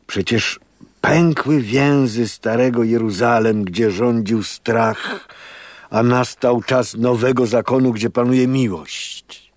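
An actor playing a fervent, sorrowful Catholic priest in a radio drama, solemn and pleading in a husky, gravelly voice. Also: male voice, mid-range voice, fairly even intonation, takes it slowly, no room sound, natural voice. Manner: solemn, pleading, hushed at times.

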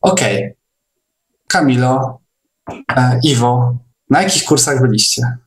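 A man hosting a casual online interview, speaking in a hesitant, halting way. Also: mid-range voice, animated, rough recording. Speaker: host of an online meeting. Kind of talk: casual interview over a video call.

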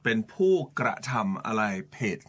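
Slightly hoarse man teaching on radio. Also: moderate pace, a bit bright. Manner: teacherly, explains words patiently, mixes English and Thai. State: slightly hoarse throat, coughing. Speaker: radio English-teaching co-host. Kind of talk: casual bilingual radio chat. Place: radio studio.

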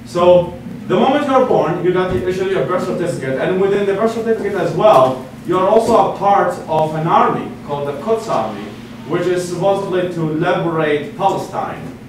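A young man from Iraq lectures from a podium in a meeting room, his voice set a little high. He speaks earnestly and often restarts his phrases. He sounds distant from the mic, with heavy room echo and a steady hiss of noise behind him. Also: moderate pace. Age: 20s. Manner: earnest, with frequent restarts and fillers. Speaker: guest speaker. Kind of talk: public lecture. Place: meeting room with a seated audience. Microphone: podium mic from far camera.

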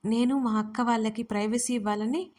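A woman's voice: a little high, fairly even intonation, a little fast, darkish tone, lightly acted. A woman narrator voicing a pert, sassy teenage younger sister in an audio story.

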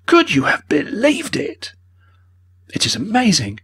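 A man voicing an indignant, stern gentleman museum keeper who speaks sharply and reproachfully. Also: mid-range voice, fairly even intonation, a little fast, gravelly, breathy edge. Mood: outraged.

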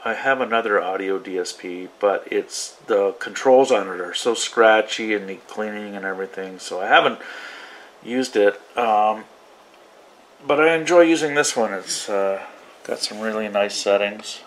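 A man's voice: fairly low pitch, normal speed, a bit bright, slight background noise, rough recording. A man casually demonstrating gear in a hobby vlog, rambling and thinking aloud as he goes. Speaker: radio hobbyist demonstrating receivers. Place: small indoor radio desk.

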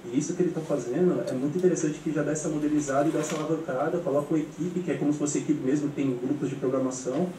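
Brazilian man, fast eager audience comment, far from the mic. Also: on the high side, dark tone. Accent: Brazilian Portuguese. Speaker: audience member. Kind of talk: spontaneous comment. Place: university seminar room. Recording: echoey room from a distance, faint noise.

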